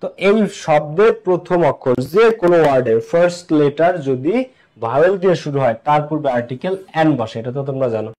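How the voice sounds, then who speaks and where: A man's voice: fairly high pitch, animated, darkish tone. Man teaching an English class. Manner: asks and answers his own questions, repeats key points; slows down to spell out English examples. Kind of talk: online class lecture.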